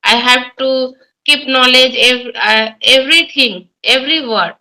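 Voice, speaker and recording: Indian woman, teacher, halting speech full of fillers, very bright tone. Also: sits high, low-quality recording. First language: Hindi. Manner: hesitant, many fillers and restarts. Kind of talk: casual conversation practice.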